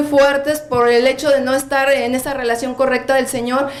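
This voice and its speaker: A woman speaks at a high pitch in a flat monotone, with audible room echo and noticeable background noise. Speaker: church ministry worker. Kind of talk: ministry report. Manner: fast.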